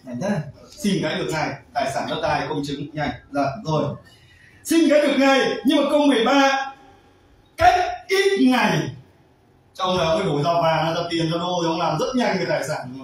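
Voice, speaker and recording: A man preaching a sermon as pastor, animated, swinging from quiet asides to loud emphatic cries. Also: fairly high pitch, moderate pace, slight background noise. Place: church hall. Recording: very echoey hall, voice from far off.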